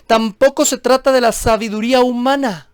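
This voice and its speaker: A man's voice: very high-pitched, fairly even intonation, normal speed, clear, resonant tone, no echo, studio quality. A man preaching a sermon as a pastor, emphatic and full of rhetorical questions.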